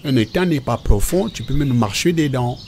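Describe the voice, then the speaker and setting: A man playing a patient father in a Christian children's cartoon, explaining things step by step in a husky voice. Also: mid-range voice, lively intonation, normal speed, a little mellow, a little hiss or hum, lightly acted. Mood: patient, instructive. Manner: didactic, explains definitions step by step.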